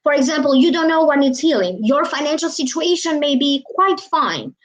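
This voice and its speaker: A woman's voice: sits high, animated, normal speed. A woman from Albania, talking casually on a live stream as a psychic reader, rambling with many fillers and trailing phrases. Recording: dull lo-fi live stream audio.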